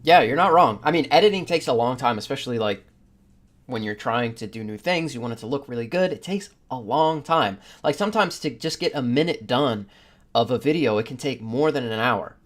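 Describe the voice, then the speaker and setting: Male podcast host, mid-pitched, earnest and emphatic, making a case point by point in conversational opinion talk. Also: lively intonation, a little fast. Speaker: podcast host, video creator.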